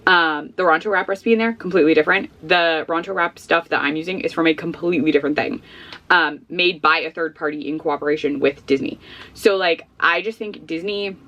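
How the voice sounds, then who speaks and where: A woman with a somewhat low voice talks casually into a camera at home, giving frank, rambling opinions. She sounds sniffly, and her voice is going. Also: fairly quick, bright, forceful tone, dull audio. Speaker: vlogger. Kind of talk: casual book review chat.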